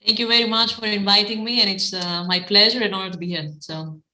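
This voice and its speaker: Middle-aged woman, hesitant ums, bright tone, roomy echo. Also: mid-range voice, fairly even intonation. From Greece. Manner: measured, with frequent fillers and restarts. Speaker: guest, private equity managing partner. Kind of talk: conversational interview answers. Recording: echoey room.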